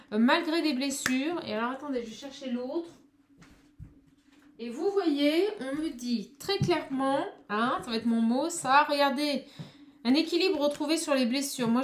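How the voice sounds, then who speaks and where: A woman doing a card reading for her viewers, talking straight to them and calling out to her spirit guides, with a small high voice. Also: slight background noise. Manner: addresses viewers directly, exclamatory, calls on spirit guides. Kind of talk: tarot reading to camera.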